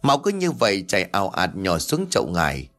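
A man reads a scripted horror folk tale in a lowish voice, full of dramatic, sweeping swings in pitch. Faint music plays underneath. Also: huge pitch swings, a little fast, fairly bright tone. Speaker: storyteller. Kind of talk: scripted horror story narration. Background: faint background music.

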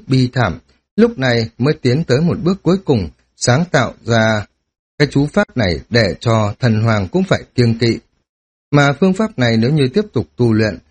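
A man's voice: mid-range voice, slightly rough. A man voicing a brooding young cultivator. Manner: murmuring inner thoughts, measured. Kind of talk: audiobook character reading.

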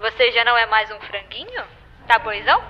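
A woman's voice: a little high, lively intonation, fairly quick, lightly acted. An actress playing a curious, teasing young woman, reacting to a friend's story over the phone. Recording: muffled phone-call recording, faint hiss.

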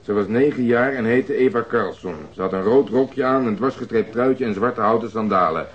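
An actor playing a stern, insistent police interrogator in a radio crime drama, firing clipped, formal questions. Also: male voice, medium pitch, normal speed, natural voice. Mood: pressing. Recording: dull lo-fi radio drama recording.

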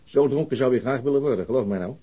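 A man's voice: medium pitch, racing, husky, lo-fi sound, close to an everyday voice. A man playing a sober, middle-aged police detective in a naturalistic radio drama, matter-of-fact and guarded. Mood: dry, narrating.

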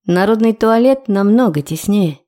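A young woman narrating a first-person audiobook in a lively, ironic way. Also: mid-range voice, moderate pace.

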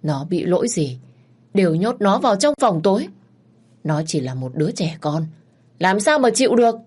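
A woman's voice: deep voice, animated, moderate pace, darkish tone. A woman voicing a bitter, grieving old servant woman who accuses her mistress's son. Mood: accusing. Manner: accusing, resentful.

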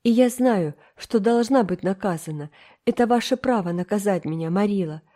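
A woman's voice: mid-range voice, normal speed, dark tone, natural voice. A woman voicing a dreamy, dramatic orphan girl in an audiobook, talking in a theatrical, emotional way. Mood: resigned. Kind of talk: audiobook character reading.

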